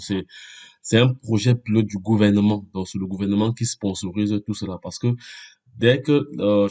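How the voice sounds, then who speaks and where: A man's voice: lowish voice, mellow. A man with a head cold explaining an immigration program in a casual walkthrough, repeating himself and saying "voilà" often. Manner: repetitive, many fillers, frequent "voilà". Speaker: video creator giving immigration advice.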